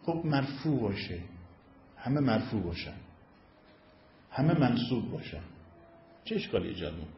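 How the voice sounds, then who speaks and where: A man's voice: sing-song, long pauses, a little hiss or hum. A man explaining Arabic grammar as a religious teacher, in a patient lecturing manner, often lifting and dropping his voice for emphasis. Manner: explanatory, rises and falls in pitch for emphasis. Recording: echoey room, dull lo-fi sound.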